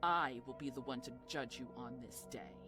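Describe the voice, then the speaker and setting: Very deep-voiced imperious goddess judge. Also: female voice. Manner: measured, imperious, clipped. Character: stern commanding goddess judge, tall imposing guardian. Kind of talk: visual novel character acting. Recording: music behind the voice.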